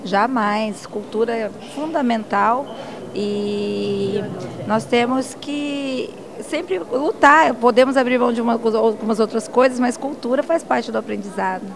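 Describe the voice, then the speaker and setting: A woman's voice: fairly high pitch, a little slow, vocal fry. A woman declaring her views with passion to a street reporter outside at night. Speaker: theatergoer. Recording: crowd chatter behind.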